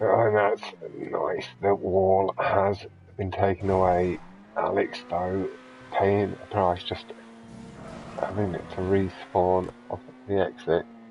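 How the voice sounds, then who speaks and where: Fairly low-pitched male speech at a very slow pace, with long, frequent pauses, fairly even intonation and music in the background. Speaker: esports racing commentator. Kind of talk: live commentary.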